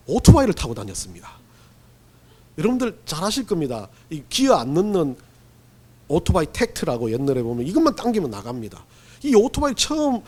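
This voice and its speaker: A man preaching a sermon as pastor, telling stories in an animated, humorous way and acting out quotes. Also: sits high. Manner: animated storytelling with acted-out quotes; humorous, laughs while preaching.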